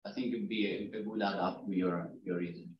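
A man's voice: low voice, fairly even intonation, fast talker, slight background noise. A man in the audience offering a suggestion on someone's research. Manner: suggestive, advising. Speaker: audience member. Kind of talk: academic discussion comment. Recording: echoey, distant, dull room recording.

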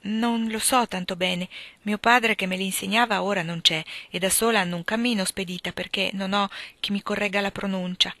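A woman's voice: medium pitch, fairly even intonation, normal speed, bright, forceful tone, no room sound. Brief: modest, shy young governess, read by a woman, storybook style, dry close sound. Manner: modest and timid.

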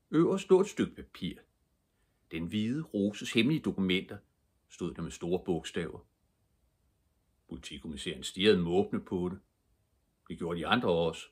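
An older man reads a children's book aloud as a bedtime story. His voice is deep and husky. He narrates calmly and evenly. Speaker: storybook reader.

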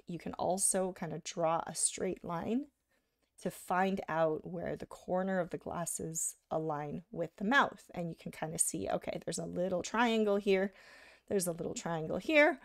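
A woman giving a live drawing lesson, talking casually while she sketches and often checking in with "right?", a little hoarse from being sick. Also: lowish voice, no echo, studio quality. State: slightly hoarse from illness. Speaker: art instructor.

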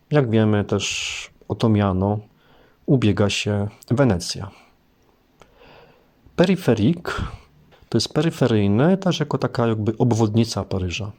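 Low-voiced man teaching a language lesson. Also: a little mellow. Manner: explanatory, unhurried, with hesitant fillers. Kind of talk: casual spoken lesson.

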